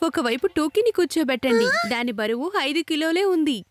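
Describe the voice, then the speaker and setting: A woman's voice: high voice, animated, fairly quick. A woman playing a cheerful, friendly female customer in a children's cartoon, with exaggerated sing-song delivery. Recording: music under the voice.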